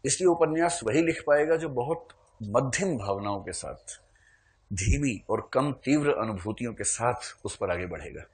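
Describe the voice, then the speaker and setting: A man's voice: medium pitch, lively intonation, unhurried. A male teacher delivers a classroom lecture in an easy, conversational manner. He slips in humorous asides and keeps checking in with his listeners as he explains.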